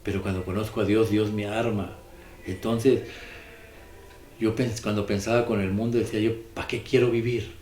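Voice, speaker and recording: A man's voice: lowish voice, little pitch movement, moderate pace, pauses often, darkish tone, slight background noise. Man, preacher, emphatic sermon, asks questions, echoey room. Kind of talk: sermon on the daily gospel. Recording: echoey room with music behind.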